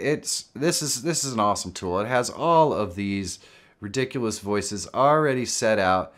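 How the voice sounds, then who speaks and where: Middle-aged man, mid-pitched voice, informal enthusiastic streamer, casual tutorial chat. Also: a bit bright. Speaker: live stream host. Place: small indoor home studio.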